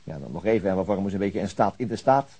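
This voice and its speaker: An actor playing a weary, principled veteran policeman in a radio drama, brooding and halting as he searches for words. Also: low-pitched, animated, dark tone, slightly rough, heavily acted. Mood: weary, reflective. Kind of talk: naturalistic Dutch radio drama acting.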